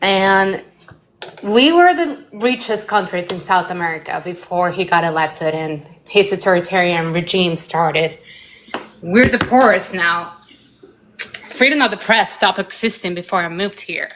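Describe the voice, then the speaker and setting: A woman's voice: lowish voice, a bit bright, a little hiss or hum. Emotional woman caller in her thirties. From Venezuela. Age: 30s. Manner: emotional, talks fast with many "like" fillers. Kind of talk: casual call-in chat.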